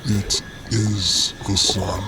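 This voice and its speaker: A man playing a frail, withered alien creature in an audio drama, with a hoarse wheeze and halting, weary delivery. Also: deep voice, little pitch movement, background noise. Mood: weary, grave. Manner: slow, halting, measured. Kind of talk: audio drama character acting.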